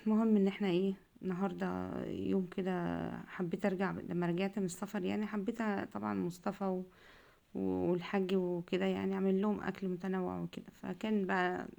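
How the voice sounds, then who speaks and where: Egyptian home-cook vlogger, woman, middle-aged; rambling, homely chat at a brisk clip with a gravelly voice. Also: mid-range voice, mellow, a little hiss or hum. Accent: Egyptian Arabic. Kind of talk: casual cooking chat.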